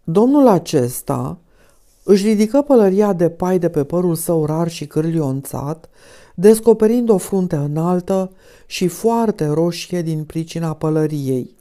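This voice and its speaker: A woman narrating a classic novel as an audiobook in a calm, even reading. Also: fairly low pitch. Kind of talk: scripted narration.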